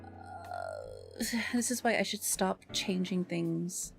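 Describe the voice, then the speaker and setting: A woman's voice: fairly low pitch, wildly swooping pitch, slow, vocal fry, soft background music. A woman hosting a livestream in casual, chatty talk with self-deprecating grumbling, speaking into a streaming mic. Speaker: livestream host.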